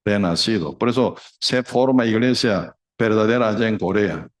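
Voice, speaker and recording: A middle-aged man with a Korean accent preaching a sermon in simple, broken Spanish, often adding tag questions and acting out scenes loudly. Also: fairly low pitch, moderate pace. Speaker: pastor.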